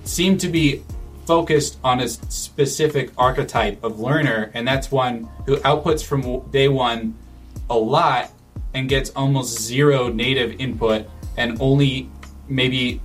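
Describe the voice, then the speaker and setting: A man speaks at an ordinary middle pitch in relaxed conversation, pausing and restarting as he works out his thoughts. Faint music plays softly behind him. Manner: thoughtful, with frequent restarts and fillers. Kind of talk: casual conversational chat.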